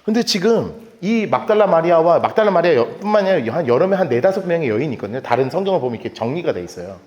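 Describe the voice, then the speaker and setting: Animated high-voiced pastor in an echoey hall. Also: male voice, rapid-fire, lo-fi sound. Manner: animated, lively storytelling with acted-out quotes and laughter. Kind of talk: sermon. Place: church sanctuary. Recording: echoey church hall with long reverb.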